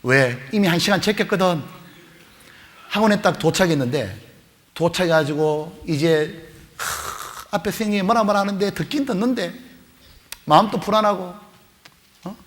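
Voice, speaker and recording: A man preaching to a youth retreat, telling a story with animated voices for the mother and the kids. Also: high-pitched, normal speed, pauses often. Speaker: pastor. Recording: long hall reverb.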